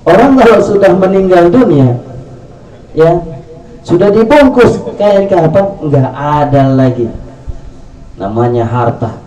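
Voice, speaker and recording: A man preaching a storytelling sermon with humorous asides. His voice is mellow and sits fairly high. He is heard from a distance in an echoey room, with faint ambience behind him. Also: animated, takes it slowly, long pauses. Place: indoor company gathering room. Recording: echoey room, mic far off.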